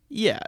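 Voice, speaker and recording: A man with a slightly bright voice hosts a podcast in a casual, chatty style. The recording is dry, with clean studio sound.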